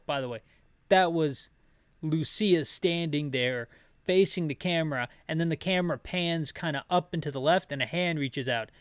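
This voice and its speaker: Higher-voiced man rambling through game commentary. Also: clean tone, no echo, studio quality. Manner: rambling, wry asides. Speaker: video game playthrough narrator. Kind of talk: descriptive commentary with casual opinions.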